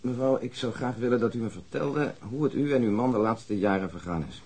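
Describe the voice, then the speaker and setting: A man acting in a radio drama as a calm police investigator, asking questions gently and politely. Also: medium pitch, brisk, husky. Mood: calm, courteous.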